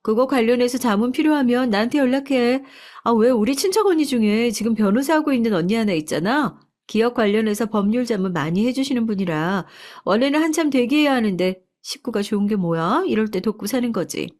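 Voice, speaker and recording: A woman's voice: on the high side, lively intonation, a little fast, darkish tone, voice pushed up, close to an everyday voice. A woman voicing a boastful, condescending young sister-in-law in a told story. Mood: smug. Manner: sweetly boastful.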